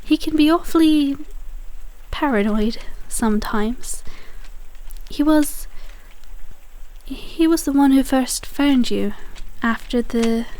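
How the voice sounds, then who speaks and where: A woman's voice: high voice, poor audio. A woman playing a polite, formal asylum nurse who is kind but firm, in an ASMR audio drama. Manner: formal, courteous, gently euphemistic. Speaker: nurse guiding a patient.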